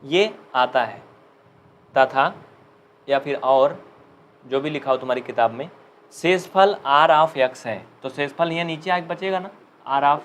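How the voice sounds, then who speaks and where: A man's voice: medium pitch, a little hiss or hum. Chatty male maths teacher, UP Hindi. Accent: Uttar Pradesh Hindi. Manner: chatty, joking, dictates slowly. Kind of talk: live online class.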